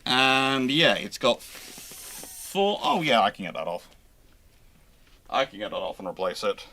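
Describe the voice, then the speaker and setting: A man's voice: mid-range voice, sing-song, measured pace, gravelly, sharp tone, a little hiss or hum. A man hosting a casual live history question-and-answer talk, thinking aloud in a conversational way and posing questions to himself. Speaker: host, naval historian.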